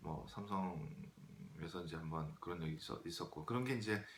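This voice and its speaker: Lively intonation comes through over audible room echo. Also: man. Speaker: hedge fund manager. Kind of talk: lecture. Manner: fast; halting.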